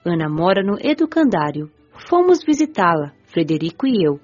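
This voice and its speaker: A woman's voice: on the low side, big pitch swings, moderate pace, darkish tone. A woman with a Brazilian accent reading scripted first-person narration for an audiobook. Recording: muffled lo-fi audio with music.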